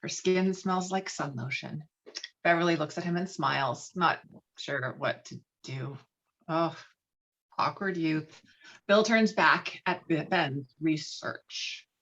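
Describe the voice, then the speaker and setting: A woman's voice: low-pitched, slow pace, a bit bright. A woman reading screenplay stage directions as narrator at an online table read. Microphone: video call. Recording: dull lo-fi online call audio.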